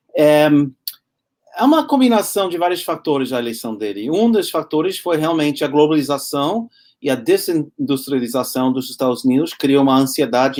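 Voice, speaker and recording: Using lively intonation, a man with an English accent and fairly high pitch speaks at a moderate pace. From United States. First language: English (speaking Portuguese). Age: 60s. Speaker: historian and activist. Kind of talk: online interview.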